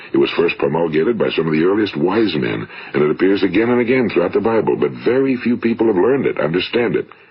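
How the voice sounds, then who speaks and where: A man with an American accent at a very fast pace, very even loudness, and noticeable background noise. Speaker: motivational speaker / radio broadcaster. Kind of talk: motivational spoken-word lecture.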